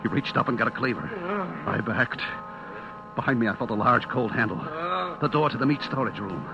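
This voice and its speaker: A man's voice: medium pitch, fairly quick, lo-fi sound, natural voice. An actor playing a terrified, guilty man on the run, telling his story in a breathless, dramatic old radio suspense style. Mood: tense dread. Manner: breathless, dramatic, swinging from hushed dread to frantic cries. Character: terrified, guilty man hunted by a vengeful butcher. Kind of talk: 1940s-50s radio suspense acting, first-person narration. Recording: old-time radio broadcast with music behind. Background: dramatic music.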